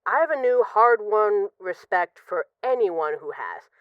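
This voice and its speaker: A close, dry, slightly muffled recording of a woman acting as a lovesick female mafia boss on an intimate phone call in an audio drama. Her voice is lowish and swings expressively. She is guarded yet vulnerable, confessing haltingly. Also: lively intonation, smooth, no room sound, lightly acted. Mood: remorseful, pained. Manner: halting, confessional, with pauses and sighs. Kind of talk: intimate scripted audio roleplay, one side of a phone call.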